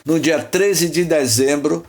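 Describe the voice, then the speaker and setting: A man with a slightly high voice hosts an informal spiritist study talk. He meanders through the lesson, stumbling over repeated words, posing rhetorical questions and calling on listeners by name. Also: slow, crowd noise. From Salvador, Bahia, Brazil. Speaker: host leading a spiritist study session.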